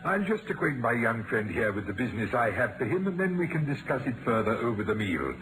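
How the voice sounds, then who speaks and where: Elderly gentleman played by a male actor: effusive, deliberate, very expressive intonation, golden-age radio mystery style, noisy old recording. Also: medium pitch, close to an everyday voice. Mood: genial, welcoming. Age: older. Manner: courtly, effusive, deliberate phrasing. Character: genial, unctuous elderly bachelor builder in a mystery drama. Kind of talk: 1940s-style radio acting.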